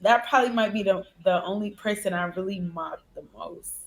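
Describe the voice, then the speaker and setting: A Caribbean-born woman co-hosting a podcast in casual group chat, blunt and laughing, with quick comebacks. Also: medium pitch. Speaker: podcast co-host.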